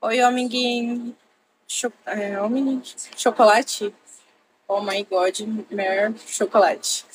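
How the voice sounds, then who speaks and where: A woman's voice: fairly high pitch, slight background noise. A young woman hosting a casual live stream from her bedroom, chatting with viewers and thanking them by name. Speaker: livestream host. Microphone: laptop.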